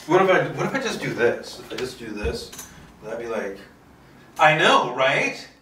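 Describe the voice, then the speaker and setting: A man's voice: medium pitch, very animated, normal speed, bright, forceful tone, slight background noise. A man thinking aloud in a casual, rambling solo monologue, playfully boastful and talking to himself with some swearing. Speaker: filmmaker doing a solo table read. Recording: echoey room, distant microphone.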